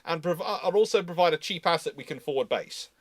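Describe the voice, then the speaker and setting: Emphatic man with a higher-pitched voice. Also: animated, fast, crowd noise. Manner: emphatic, explanatory, repeats and restarts phrases. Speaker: host and naval historian answering questions. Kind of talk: live question-and-answer discussion.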